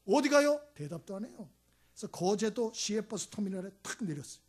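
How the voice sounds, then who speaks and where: A male pastor preaches a sermon in a high, breathy voice. He is emphatic, swinging between loud exclamations and quiet hushed asides. He acts out the voices in his stories as he tells them. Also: a little fast. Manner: tells anecdotes acting out voices.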